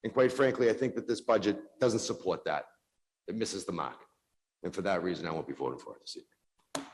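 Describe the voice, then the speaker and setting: Exasperated low-voiced councilman. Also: a little fast, creaky, rough recording. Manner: forceful, exasperated, rhetorical. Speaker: city councilor. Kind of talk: council floor speech. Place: council chamber.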